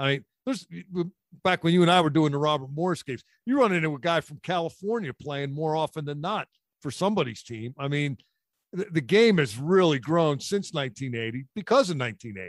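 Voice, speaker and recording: A man with an American accent and a normal speaking voice, fairly high in pitch, fairly quick, with lively intonation, in a dry, close sound with no echo and a very clean recording with a silent background. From Philadelphia, US. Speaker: sports broadcaster. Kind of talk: casual chat.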